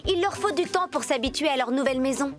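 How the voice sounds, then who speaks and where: A woman's voice: sits high, quick pace, faint music behind, natural voice. A woman voicing an enthusiastic, confident adult character in a French children's cartoon, upbeat and explanatory.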